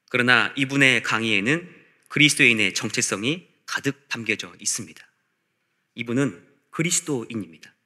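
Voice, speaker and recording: Piercingly bright-voiced man preaching. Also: mid-range voice. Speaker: pastor. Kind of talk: sermon. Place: church service.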